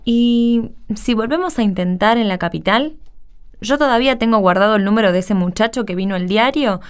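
An actress playing a persistent, practical rural neighbour in a radio drama, speaking earnestly with an Argentine accent. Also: female voice, a little high, fairly quick, clear, resonant tone, close to an everyday voice.

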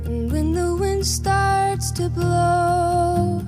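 High-voiced woman singing a worship song. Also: steady tone, drawn-out words. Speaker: singer. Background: loud guitar backing.

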